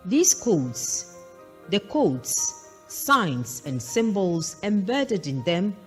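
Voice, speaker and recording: A woman giving a solemn, formal scripted narration about an exhibition in a declamatory way. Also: on the low side. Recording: long echoing reverb, music behind. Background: music.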